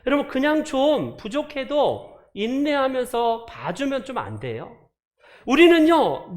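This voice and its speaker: A man preaches a Sunday morning sermon, his pitch rising and falling widely as he drives each point home. He repeats key phrases and speaks directly to his congregation. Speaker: pastor.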